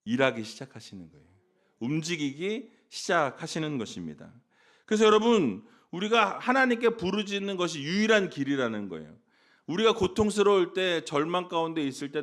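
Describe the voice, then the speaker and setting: A male pastor preaching a sermon, asking the congregation rhetorical questions, joking with them, and now and then bursting into shouts. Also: on the high side. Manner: jokes with a sleepy congregation.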